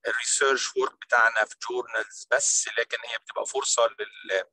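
Egyptian male academic chair, bright forceful voice, formal delivery on an online call. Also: medium pitch, steady tone, quick pace, slightly rough, no room sound. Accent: Egyptian Arabic. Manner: mixes English phrases into Arabic. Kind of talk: formal spoken welcome at an online conference. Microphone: online video call.

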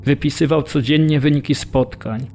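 An actor playing an earnest prisoner who recounts his captivity in measured storytelling for a radio documentary drama. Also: on the high side, fairly even intonation, a little mellow, faint music behind, lightly acted. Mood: earnest, sober. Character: earnest male Polish prisoner recalling hunger and discipline.

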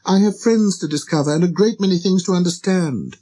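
A man's voice: sits high, a little fast, warm tone, pitched above the performer's own voice, close to an everyday voice. A man voicing an innocent, curious little boy prince in a storybook, polite and full of wondering questions. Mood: eager, questioning. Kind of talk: storybook character reading.

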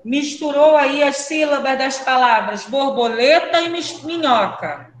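A woman with a Brazilian Portuguese accent teaching a primary class online, brisk and questioning, calling pupils by name. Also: sits high, animated, echoey room, rough recording.

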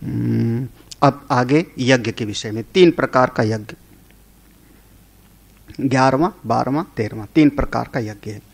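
A man's voice: medium pitch, unhurried, gravelly, pauses often. A man, a Hindu spiritual teacher, giving a conversational sermon on scripture. He tells homely stories and often checks in with his listeners.

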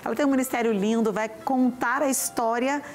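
Host in her forties, bright and effusive, slightly high voice. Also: steady tone, a little fast. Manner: warm, effusive, chatty with viewers. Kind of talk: upbeat studio hosting. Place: bright TV studio set, indoors. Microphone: lapel mic.

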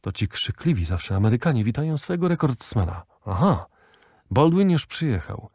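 A man's voice: mid-range voice, sing-song, normal speed, darkish tone, dry recording, clean studio sound. Man voicing a haughty old aristocratic lady. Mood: explaining. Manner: stiff, disdainful, lecturing.

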